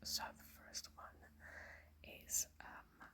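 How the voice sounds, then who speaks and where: A woman is whispering. Her words come out hushed and breathy. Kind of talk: ASMR show and tell. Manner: whispered, soft.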